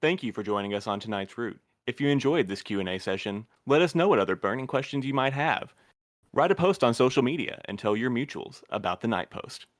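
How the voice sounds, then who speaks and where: A man's voice: mid-range voice, expressive, brisk, no room sound, clean studio sound. A man talking casually as one of the crew on a podcast question-and-answer show.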